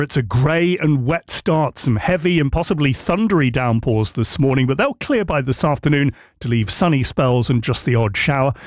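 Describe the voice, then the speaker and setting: A man reading a scripted radio weather forecast in a clear, measured way. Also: fairly high pitch, dry recording, clean studio sound. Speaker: weather presenter.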